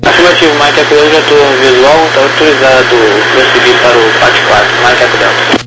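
A man's voice: mid-range voice, level tone, quick pace. A Brazilian man working as an air traffic controller, giving clipped, procedural instructions in radio phraseology over an aviation radio. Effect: aviation radio transmission.

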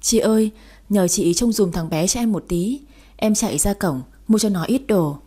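A woman's voice: mid-range voice, moderate pace, dark tone, husky, close to an everyday voice. Woman voicing a desperate young mother. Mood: gentle. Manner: pleading, tearful. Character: young desperate mother, poor, devoted to her son.

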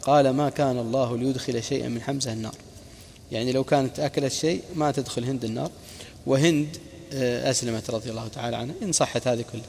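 A man's voice: medium pitch, steady tone, very fast, vocal fry, a little mellow, big-room sound, slight background noise. A man preacher narrating a religious history lesson, recounting reports and quoted sayings with brief explaining asides.

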